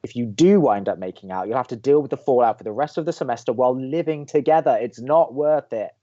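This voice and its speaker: A man playing a cynical, grumpy young college radio co-host in an audio drama, with sardonic, deadpan, exasperated banter. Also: medium pitch, quick pace, lo-fi sound, lightly acted. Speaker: actor in a romantic comedy podcast.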